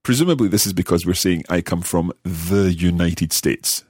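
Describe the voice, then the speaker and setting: A man hosting a podcast language lesson, speaking carefully and repeating phrases slowly for learners. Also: low voice, darkish tone, slightly rough, no echo, studio quality. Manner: careful, enunciating learner pronunciation. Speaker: language course host.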